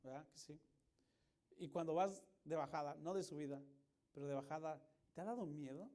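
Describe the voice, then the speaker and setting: A male pastor giving a lively sermon in a church, joking with the congregation and acting out scenes. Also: fairly high pitch, normal speed. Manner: animated, jokes with the congregation, acts out voices and screams. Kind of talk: lively sermon with acted-out anecdotes.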